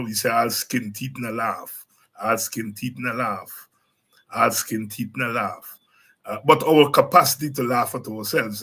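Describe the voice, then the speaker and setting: A Guyanese man hosting a political talk show, speaking in a relaxed, animated way with laughing asides and frequent restarts. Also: mid-range voice, breathy edge. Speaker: host. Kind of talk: casual political commentary.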